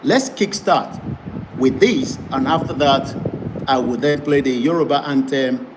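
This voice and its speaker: A man's voice: medium pitch, measured pace. Emphatic campaigning male broadcaster, noisy. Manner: emphatic, repetitive campaigning delivery. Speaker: online broadcaster. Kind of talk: advocacy broadcast. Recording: noisy background.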